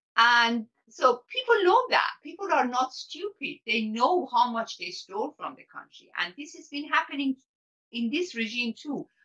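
Over a quiet background, a woman in a raised, projected voice with a bright, sharp tone speaks at a moderate pace, her loudness swinging widely. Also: lively intonation. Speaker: interviewee. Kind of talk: interview answer. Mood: passionate, critical. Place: home room. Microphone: video call.

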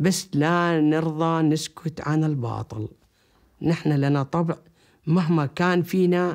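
On a very clean recording with a silent background, the speech goes at a very slow pace, with fairly even intonation and very even loudness. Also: man, fairly high pitch for a man. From Yemen. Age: 50s. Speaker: businessman. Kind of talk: personal testimony. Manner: halting.

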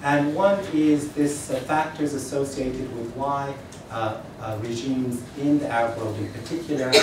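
Noticeable background noise and audible room echo fill the recording. The man speaks at medium pitch with ordinary pitch variation. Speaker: political science professor. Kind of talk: academic panel talk. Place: hall.

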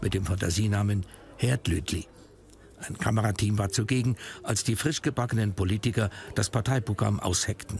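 A man's fairly low, somewhat breathy voice at a moderate pace with ordinary pitch variation. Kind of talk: documentary narration.

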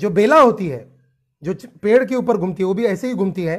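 A man's high-pitched voice with a Central Indian accent against a quiet background. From Maharashtra, India. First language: Gondi (speaking Hindi). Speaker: speaker. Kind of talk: speech to online audience. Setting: live stream. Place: home room. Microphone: earbuds.

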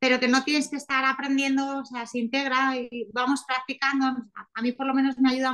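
A woman's high voice at a moderate pace against a quiet background. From Spain (Guadalajara); Spain. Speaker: real estate agent. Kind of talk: testimony. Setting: video call. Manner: halting. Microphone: video call.

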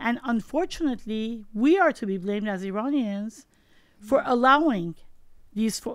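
Her voice high in pitch, a woman speaks at a moderate pace with lively intonation in a dry sound with no echo and a quiet background. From Iran. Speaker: political activist; podcast guest. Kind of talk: political discussion. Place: studio. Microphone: studio mic.

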